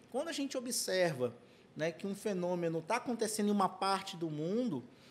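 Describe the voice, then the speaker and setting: Speaking with a Pará accent, a man moves at a moderate pace through very wide pitch swings. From Brazil, Pará. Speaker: meteorologist. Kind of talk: casual interview chat. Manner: halting, many fillers and repeats.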